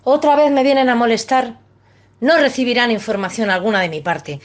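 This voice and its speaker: Actress as a defiant captive princess, high-pitched. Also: female voice, fairly quick, close to an everyday voice. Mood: defiant, angry. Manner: defiant, contemptuous. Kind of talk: radio drama acting.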